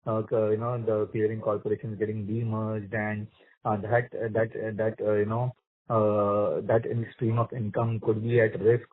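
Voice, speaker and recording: A man with an Indian accent, an analyst putting questions on a conference call, halting and often rephrasing. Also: lowish voice, dry recording. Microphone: phone. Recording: dry, narrow phone line.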